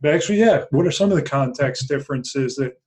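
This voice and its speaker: A man in his thirties hosting an interview, asking halting questions full of fillers. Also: on the high side, animated, a little mellow. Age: 30s. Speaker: podcast host. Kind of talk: casual interview chat.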